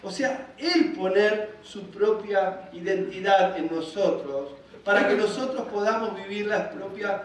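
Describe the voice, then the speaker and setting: A man with a Rioplatense Spanish accent, preaching a sermon at a men's conference in a lively, joking storytelling way, acting out the voices of the people in his stories. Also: sits high, measured pace, few pauses, slight background noise. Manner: animated, jokey storytelling, acts out voices. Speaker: pastor. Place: large hall at a men's conference. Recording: echoey hall, voice from far off.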